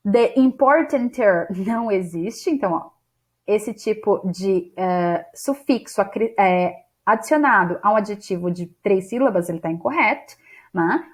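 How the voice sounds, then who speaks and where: A woman from Brazil teaching English grammar in an exam-prep lesson, explaining step by step and reading English sentences aloud slowly. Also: medium pitch, darkish tone. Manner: explains step by step, often ends with "né?" and "tá?".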